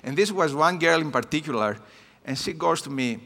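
A Greek man of about fifty, a native speaker with a Greek accent, gives a personal talk as a guest missions speaker at a church conference, his words full of hesitant fillers. His voice is fairly high, animated, fairly quick and sharp, with the big-room sound of a church hall.

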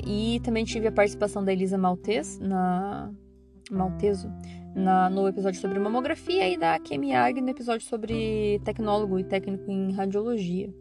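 A Brazilian woman chats on her own podcast in a loose, rambling way, full of fillers and restarts. Her pitch sits in an ordinary middle range. Guitar music plays clearly underneath her voice. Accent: Brazilian Portuguese. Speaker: podcast host and radiology teacher. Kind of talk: casual solo podcast chat.

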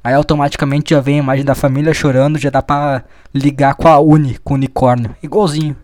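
A man's voice: mid-range voice, level tone, quick pace, darkish tone, no room sound, clean studio sound. A young man, giving a rambling, profane and sardonic casual monologue.

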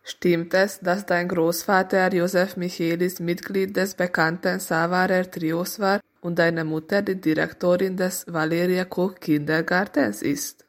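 A woman's voice: fairly low pitch, flat delivery, measured pace, few pauses. A woman interviewer reading prepared questions in a plain, direct way.

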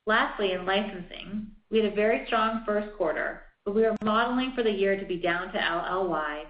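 A woman's voice: medium pitch, moderate pace. A woman reading prepared financial remarks in a formal, scripted way, as a company executive on an earnings call. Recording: dull, roomy conference call audio.

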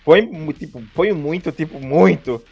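A man's voice: fairly high pitch, a little slow, gravelly, a little mellow, husky, muffled recording, faint music behind. A man with a Brazilian Portuguese accent co-hosting a podcast, making jokey, mocking interjections. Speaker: podcast co-host. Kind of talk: casual podcast banter.

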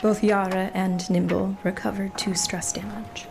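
Woman with creaky voice narrating dark fantasy. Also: medium pitch, little pitch movement, noisy background. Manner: measured, literary storytelling. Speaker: story narrator.

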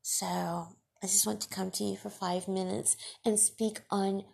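A woman podcast host and radio broadcaster with Farsi as her first language, talking in a deliberate, emphatic monologue that scolds her critics. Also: mid-range voice, level tone, creaky, darkish tone, slightly rough.

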